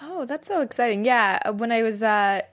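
A woman's voice: on the high side, lively intonation, a little fast, fairly bright tone. A woman co-hosting a casual film discussion, upbeat and filling her speech with "like". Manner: upbeat, says "like" often. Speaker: podcast co-host.

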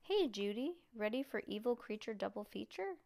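An eager, proud young boy from a storybook, as a woman reads him. He sounds friendly and keen. A slightly gravelly texture colors the voice. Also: fairly high pitch, big pitch swings, moderate pace, darkish tone, voice pushed up.

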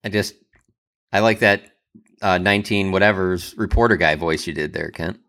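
A man's voice: deep voice, a bit bright. A man cohosting a sports podcast, rambling through stories with fillers and easy laughs. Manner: rambling, laughs easily, bursts of quick talk. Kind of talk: casual sports chat.

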